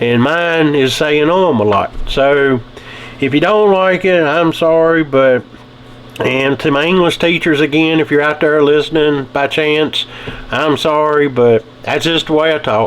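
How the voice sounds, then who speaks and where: Ordinary pitch variation and very even loudness, with noticeable background noise. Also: man, fairly high pitch for a man. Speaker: scale modeling YouTuber. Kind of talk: casual product review. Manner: frequent filler words (um).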